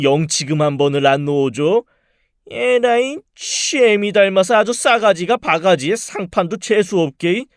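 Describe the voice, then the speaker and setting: A man's voice: fairly high pitch, no echo, studio quality. A man playing a menacing, money-grubbing father in an audio drama, coarse, mocking and bullying in manner. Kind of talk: dramatized audio story acting.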